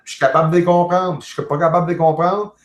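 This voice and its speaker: A man with a Québécois French accent, a guest chatting casually over a video call, jovial and halting with many fillers and restarts. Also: on the high side, level tone. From Quebec, Canada. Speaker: guest, amateur astronomer. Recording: roomy echo.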